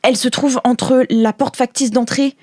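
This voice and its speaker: Clandestine sci-fi rebel played by a woman, earnest, courteous, flustered, halting speech, dry sound, tabletop game. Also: high voice, steady tone, mellow, no echo. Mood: earnest, hesitant. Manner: flustered, stammering, polite. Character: hesitant, helpful clandestine man from a future resistance group.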